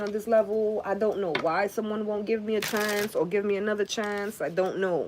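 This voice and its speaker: Over noticeable background noise, a woman of medium pitch talks at a fairly quick pace with hardly any pauses. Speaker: tarot reader. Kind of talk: live-stream tarot reading chat. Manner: casual, profane, animated.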